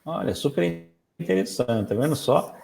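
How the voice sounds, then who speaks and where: A man's voice: mid-range voice, animated, moderate pace, vocal fry, warm tone. Man, Brazilian, interview host, affirming, asks short questions. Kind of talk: casual interview.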